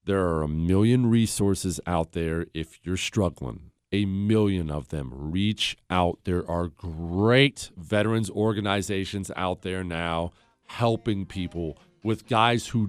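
A man hosting a talk radio show, speaking in an animated, sarcastic monologue with wide swings in pitch and a slightly congested voice. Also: takes it slowly, no room sound. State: congested from allergies.

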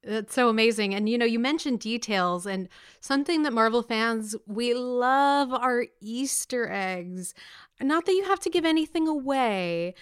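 A woman's voice: a little high, smooth. A woman hosting an upbeat promotional podcast interview in a gushing, enthusiastic manner. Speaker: podcast host interviewing a guest.

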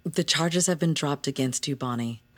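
An actor playing a gentle, careful doctor who speaks softly and measuredly in an audio drama. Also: medium pitch, natural voice. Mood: consoling. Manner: soft, measured, consoling.

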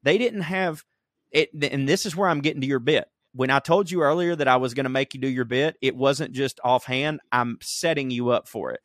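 A man's voice: mid-range voice, moderate pace, fairly bright tone, no echo, clean studio sound. Profane rambling man on a podcast. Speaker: podcast co-host. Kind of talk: casual comedic chat. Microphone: remote recording.

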